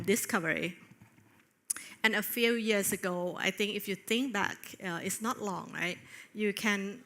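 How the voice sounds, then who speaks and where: Female conference presenter, bright forward tone, earnest and hesitant with fillers. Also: mid-range voice. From Thailand. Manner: earnest, with frequent filler pauses. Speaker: conference speaker. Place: on stage at a tech conference.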